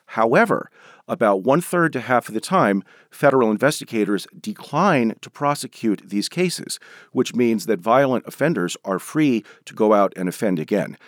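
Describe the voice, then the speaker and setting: A man from Denver, an author and professor, giving measured, explanatory answers in a radio interview. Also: mid-range voice, animated, no room sound, studio quality. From Denver, USA.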